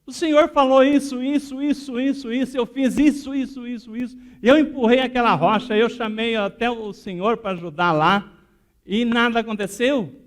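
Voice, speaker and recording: A distraught woman believer, as a male preacher puts her on, pleads in a strained, very high and insistent voice. Her complaint comes out loud and pressing. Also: moderate pace. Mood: pleading.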